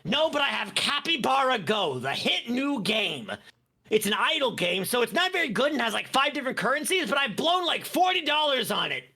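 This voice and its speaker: Silly excitable oddball, sharp bright voice, raspy, squeaky, improvised comedy fandub. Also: male voice, fairly quick, heavily acted. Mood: manic, chatty.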